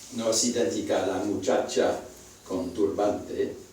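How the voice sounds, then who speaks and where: Someone with a non-native accent speaks at a very slow pace, with audible room echo and noticeable background noise. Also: man. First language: not Spanish (speaking Spanish). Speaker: preacher. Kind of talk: sermon. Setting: church. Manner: halting, many fillers.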